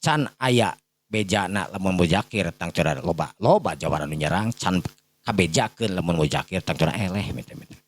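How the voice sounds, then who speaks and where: A man's voice: deep voice, expressive, moderate pace. A man with a Sundanese accent tells a folk tale in a rambling, improvised way, padding it with repeated filler phrases as he addresses his listeners. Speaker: storyteller.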